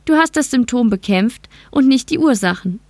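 Brief: calm female AI guide, measured and noncommittal, pitched a bit higher, as a woman narrator puts her on. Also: dry recording. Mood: explaining. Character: calm, evasive female machine intelligence guide.

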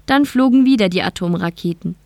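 A woman reading a novel aloud in steady, scripted narration. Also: medium pitch, fairly quick, gravelly, no echo. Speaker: audiobook narrator.

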